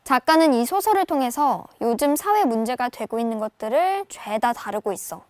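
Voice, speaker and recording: This book reviewer and reading tutor talks through a novel with her viewers as though they were friends, using breezy, lively banmal. Her voice is on the high side and her pace is normal. There's no room sound.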